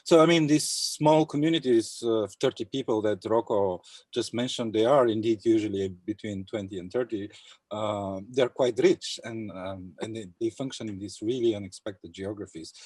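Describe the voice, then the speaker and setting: A low-voiced young man from Bulgaria thinks aloud in a panel discussion, hesitating often and filling his pauses. His voice is dry and close, heard over a video call. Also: darkish tone, no room sound. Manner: thoughtful, hesitant with many fillers. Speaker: panel speaker. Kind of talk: academic round-table discussion.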